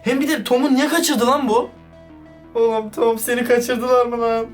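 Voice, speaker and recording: A man doing excited, casual vlog commentary, slangy and talking straight to his viewers. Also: extremely high pitch, moderate pace. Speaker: YouTuber reacting to a chat. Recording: distant mic with background music.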